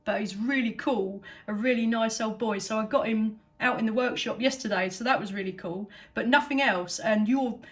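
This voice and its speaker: A woman's voice: fairly high pitch, moderate pace, hardly any pauses. A woman operating a CB radio, chatting casually and enthusiastically with other operators. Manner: enthusiastic, appreciative. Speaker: CB radio operator, channel host. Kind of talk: casual radio contact chat.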